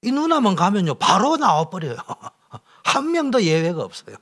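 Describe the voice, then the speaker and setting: A middle-aged male pastor, preaching a training lecture, swinging from loud exhortation to whispers. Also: sits high, wildly swooping pitch, normal speed. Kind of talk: sermon-style training lecture.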